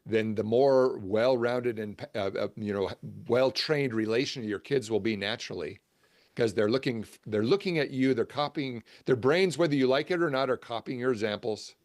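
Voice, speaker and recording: A man's voice: medium pitch, moderate pace, no room sound, studio quality. A middle-aged man, a guest author and church trainer, giving enthusiastic explanatory answers and often restarting his sentences. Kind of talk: interview answers.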